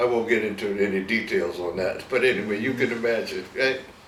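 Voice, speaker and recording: A man with an American accent at a moderate pace and medium pitch, amid noticeable background noise and audible room echo. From Virginia, US South. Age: 80s+. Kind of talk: interview. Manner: halting.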